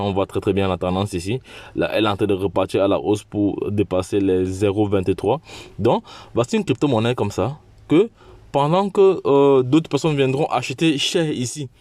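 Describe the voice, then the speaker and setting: A man with a cold giving an informal promotional pitch as a channel host, halting and often repeating his phrases. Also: darkish tone, no room sound. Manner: halting, repetitive, with frequent restarts. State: has a cold.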